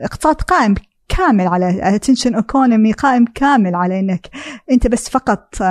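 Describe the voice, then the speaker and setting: A woman speaks at a fairly slow pace with ordinary pitch variation in an ordinary speaking voice. The sound is dry and close, with no echo. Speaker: psychology counselor and entrepreneur. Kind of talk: casual interview conversation. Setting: recorded on-site at a cultural event.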